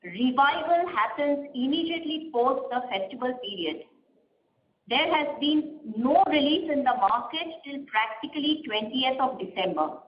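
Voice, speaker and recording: A woman, a company executive answering questions on an earnings call in a measured, explanatory way, pausing often with "uh". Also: high-pitched, animated, slight background noise. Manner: measured, explanatory, frequent "uh" pauses. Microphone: conference call line. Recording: roomy, slightly muffled conference line.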